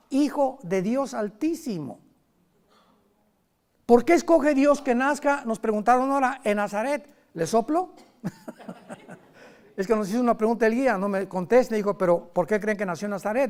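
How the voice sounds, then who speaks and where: Lively preacher man. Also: high-pitched. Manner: lively, conversational preaching with sudden loud emphasis and quick asides. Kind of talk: sermon.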